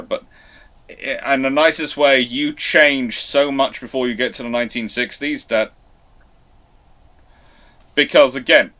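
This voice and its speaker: Male history show host, mid-pitched, discursive, halting, thinks aloud and restarts sentences. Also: sharp tone.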